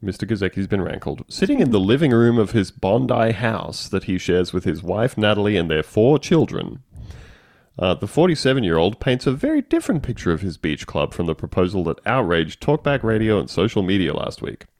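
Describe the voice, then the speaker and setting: A man's voice: fairly low pitch, big pitch swings, fairly quick, darkish tone, dry recording, studio quality. A man co-hosting a comedy podcast, reading a news article aloud with wry, sarcastic commentary. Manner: wry, sarcastic, reads quotes aloud with mock voices. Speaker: podcast co-host.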